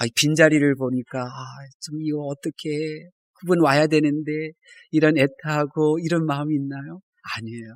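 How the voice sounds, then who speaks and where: The sound is dry and close, without any echo. Speech proceeds at a moderate pace. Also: man. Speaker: pastor. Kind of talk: sermon.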